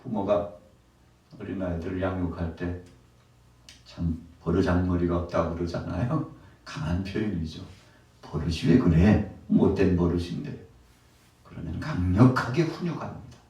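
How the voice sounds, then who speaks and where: Preaching pastor in an echoey church. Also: male voice, low-pitched, moderate pace, pauses often, mellow. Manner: preaching with rising emphatic peaks and frequent direct address to the congregation. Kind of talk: Wednesday service sermon. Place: church sanctuary. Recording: very echoey church hall, voice from a distance.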